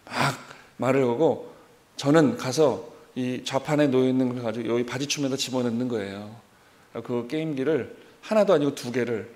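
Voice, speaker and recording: A man in his forties preaching a sermon, telling a personal story in an animated way and acting out remembered dialogue. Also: mid-range voice. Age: 40s.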